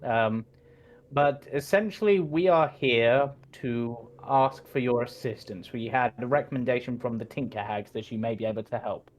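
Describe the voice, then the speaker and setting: Man voicing a polite adventurer, earnest, hesitant, mid-pitched. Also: moderate pace, natural voice.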